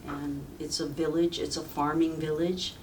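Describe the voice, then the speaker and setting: A woman in her seventies from rural southern China, a native speaker of a Chinese village dialect, reminisces about her life in a halting, reflective way for an oral history interview. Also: deep voice, little pitch movement, darkish tone. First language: Sayep village dialect of Chinese. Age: 70s. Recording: distant mic with faint background noise.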